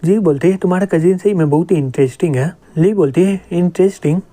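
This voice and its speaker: Male narrator for a comic recap, warm low-brightness tone, reads every role in his own voice. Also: fast. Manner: even storytelling, "he says" before each quote. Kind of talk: scripted narration, reading every character plainly.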